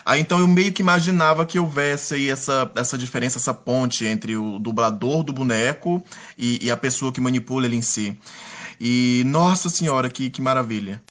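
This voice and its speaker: A man's voice: medium pitch, moderate pace, a bit bright. A man hosting an interview, asking questions with enthusiasm and frequent exclamations. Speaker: interview host.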